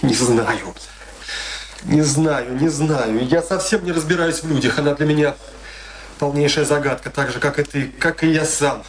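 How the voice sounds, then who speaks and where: An actor playing a troubled, compassionate middle-aged confidant in a radio play, speaking in an earnest, questioning, reflective way. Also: male voice, fairly high pitch, normal speed, crowd noise, lightly acted. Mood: troubled, searching. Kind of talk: theatrical radio play dialogue.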